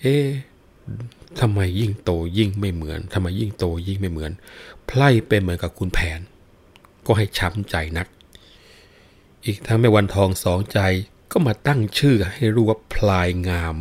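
Guy with a lowish voice telling an old folk story, lively and dramatic. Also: normal speed, breathy edge. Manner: lively spoken narration with dramatic emphasis; breaks into chanted verse recitation. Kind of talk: retelling a classic folk tale.

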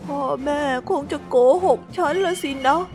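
A woman's voice: very high-pitched, measured pace, pitched above the performer's own voice. A woman voicing a shy, clumsy young female hippo who keeps apologizing through tears. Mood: sad, doubting. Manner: apologetic, tearful. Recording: music underneath.

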